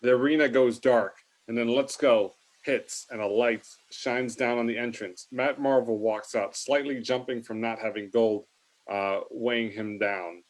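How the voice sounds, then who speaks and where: Mid-pitched man narrating wrestler entrances. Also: fairly even intonation, a little slow, rough recording. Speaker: reader of stage directions. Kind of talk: scripted narration with fillers and stumbles.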